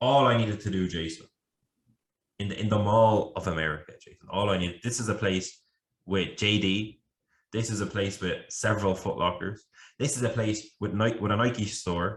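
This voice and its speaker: In an Irish accent, a man speaks with fairly even intonation. His voice is fairly low and somewhat breathy. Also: moderate pace, very clean recording, silent background. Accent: Irish accent noticed abroad. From Ireland, Dublin. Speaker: podcast co-host. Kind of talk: casual chat.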